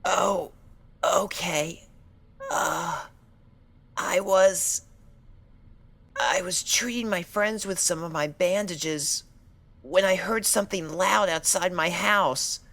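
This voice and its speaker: A woman plays a frightened young female pony in a dramatic audio story. She speaks slowly and haltingly, with a creaky edge, stammering and apologizing as she recounts an attack. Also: lowish voice, fairly bright tone, heavily acted. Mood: timid, nervous.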